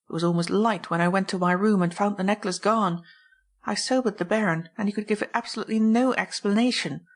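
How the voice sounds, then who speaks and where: A woman voicing an excitable, indignant baroness in an audiobook, emphatic and dramatic. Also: mid-range voice, lightly acted.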